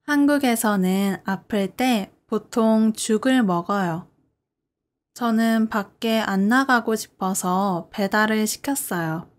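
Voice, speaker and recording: A woman's voice: mid-range voice, slow. A woman language teacher delivering a scripted beginner listening lesson in short, simple, carefully separated sentences. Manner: careful, simple phrasing with clear sentence breaks.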